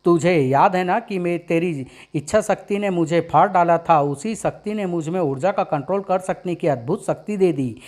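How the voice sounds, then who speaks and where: A man's voice: high-pitched, normal speed, few pauses, a little mellow, close to an everyday voice. A gloating invisible supervillain from a narrated comic story, voiced by a man. He brags about his schemes and threatens with plain menace. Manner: boastful, menacing.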